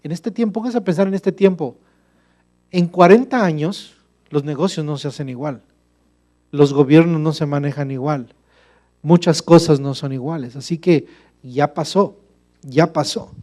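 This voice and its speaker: A man's voice: on the high side, normal speed, pauses often, mellow. A male pastor preaching a sermon, emphatic and full of rhetorical questions to the congregation.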